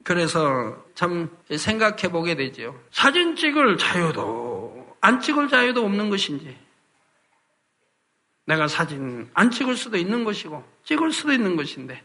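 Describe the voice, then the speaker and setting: A man's voice: high-pitched, sing-song, moderate pace, bright, forceful tone. A man preaching a sermon as a pastor, earnest and full of rhetorical questions to the congregation.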